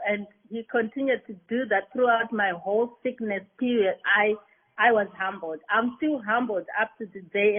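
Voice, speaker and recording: Female, Zimbabwean accent, fairly high voice, earnest and halting testimony, narrow phone-like sound. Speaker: party member giving a testimony. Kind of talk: spontaneous personal testimony to a meeting. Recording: tinny, band-limited online call audio.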